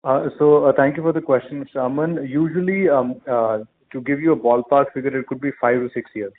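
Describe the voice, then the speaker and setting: Indian-accented executive on a noisy phone line. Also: male voice, medium pitch, steady tone, fairly quick. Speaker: company executive answering analyst questions. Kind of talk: earnings call answers, formal explanation. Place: conference call. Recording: narrow phone line with clear noise.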